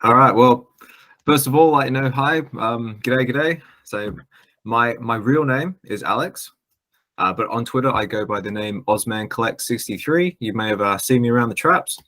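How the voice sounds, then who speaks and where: An Australian man with a bright, forceful tone introduces himself in a relaxed group chat. He talks in a friendly, halting way, full of "um" and "uh." His voice sits at an ordinary pitch for a man. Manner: hesitant, filler-heavy, friendly. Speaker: guest panelist. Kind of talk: casual chat.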